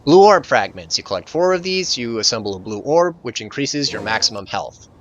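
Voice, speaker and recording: Bright-voiced man doing game commentary. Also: medium pitch, big pitch swings, brisk, slight background noise. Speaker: video game let's play host. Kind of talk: casual gameplay commentary.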